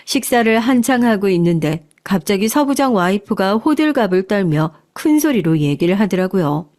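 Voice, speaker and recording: A woman narrating a first-person story in a calm, measured way. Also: mid-range voice.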